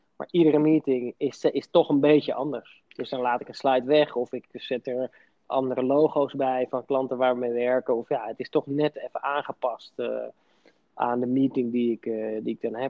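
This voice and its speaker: A man talks at a moderate pace and medium pitch in a flat monotone. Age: 40s. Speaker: sales company owner and podcast co-host. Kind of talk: casual chat.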